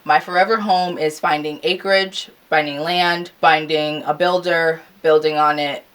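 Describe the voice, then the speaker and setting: A young woman vlogger in casual chat to camera, chatty and animated, laughing at her own asides. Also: low-pitched, a little slow, smooth.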